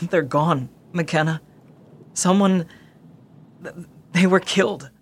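A man acting a grieving, gentle and hesitant younger brother in an audio drama. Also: on the high side, slow pace. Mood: shaken, hesitant.

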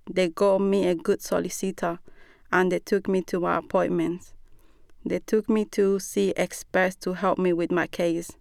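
Young female narrator, Bolivian Spanish accent. Measured personal account, slightly low, smooth voice, dry close sound. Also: no echo. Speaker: storyteller reading own account.

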